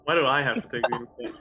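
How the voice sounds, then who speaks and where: A man's voice: fairly high pitch, rough recording. A man playing a tabletop game, chatting casually and jokingly with the group.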